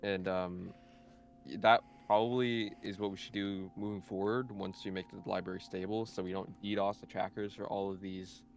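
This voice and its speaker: Low, gravelly young man coding. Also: flat delivery, moderate pace, soft background music. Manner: matter-of-fact, narrates what he is doing. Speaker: co-developer, stream guest. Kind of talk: casual live coding chat.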